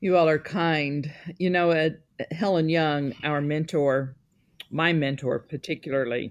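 This speaker has an American accent and talks at a fairly slow pace. The intonation stays fairly even. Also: woman. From US Midwest, Missouri. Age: 60s. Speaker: spiritual formation institute staff, speaker. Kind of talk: interview conversation.

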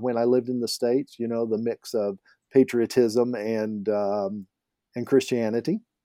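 A man with an American accent and a normal speaking voice, medium pitch, moderate pace and fairly even intonation. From Oklahoma, US. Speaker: college president and theologian. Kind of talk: casual interview conversation.

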